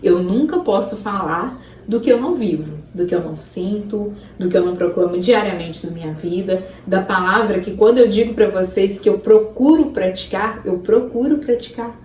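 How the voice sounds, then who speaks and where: A woman's voice: mid-range voice, normal speed, a little mellow. Earnest woman in a roomy space. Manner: earnest and emotional, rising to emphatic bursts. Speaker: Christian speaker. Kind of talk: informal gospel reflection. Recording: roomy sound from a distance.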